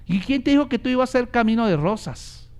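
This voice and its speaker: High-voiced pastor preaching emphatically. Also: male voice, animated, brisk, clean tone. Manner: emphatic preaching, swings between loud exhortation and quiet storytelling. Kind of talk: sermon. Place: church.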